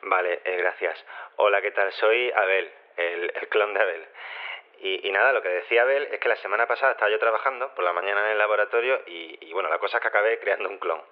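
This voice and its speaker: A man's voice: on the low side, quick pace, natural voice. A man with a Spain accent playing an awkward, flustered scientist leaving a hesitant, rambling phone message in an audio comedy. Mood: flustered, apologetic. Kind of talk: naturalistic audio comedy acting. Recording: muffled, tinny phone message.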